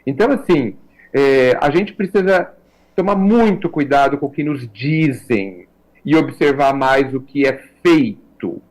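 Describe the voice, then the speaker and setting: A Brazilian man talking as a guest on a radio talk show, reflective and measured, often checking in with a tag question. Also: medium pitch, expressive, darkish tone, poor audio. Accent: Brazilian Portuguese. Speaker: guest commentator.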